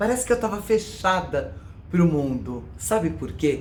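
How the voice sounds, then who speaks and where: A hoarse woman speaks very slowly with vocal fry. Room echo is audible. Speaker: YouTuber. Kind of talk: personal testimony to camera. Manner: emotional, conversational.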